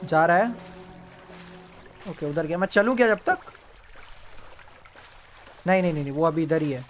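A man's voice: fairly high pitch, animated, moderate pace, a little hiss or hum. Jumpy male streamer yelping at a game. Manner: jumpy, yelps and pleads with the monster, then hushes to a whisper. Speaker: gaming streamer. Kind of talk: live gameplay commentary.

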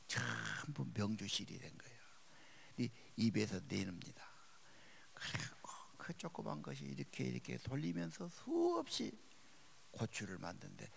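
A male pastor preaching a sermon, with emphatic rises and drops in loudness. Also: fairly low pitch, creaky, a little hiss or hum. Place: church sanctuary.

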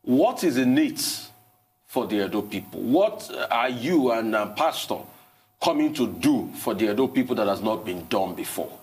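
Male TV news interviewer, brisk acknowledgements, interrupts to redirect. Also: medium pitch, sing-song, a little mellow. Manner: frequent brief acknowledgements, interjecting to steer.

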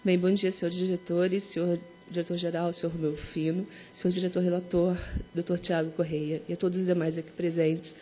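A woman's voice: fairly low pitch, little pitch movement, fairly quick, dark tone, faint music behind. A Brazilian woman with a cold and a nasal voice, a company representative making a formal oral statement at a regulatory hearing. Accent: Brazilian Portuguese.

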